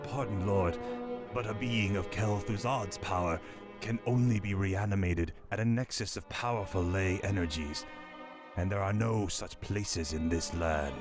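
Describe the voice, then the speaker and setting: An actor playing a deferential, grim necromancer servant in a video game, explaining things formally. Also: male voice, sits low, unhurried. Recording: game music behind voice.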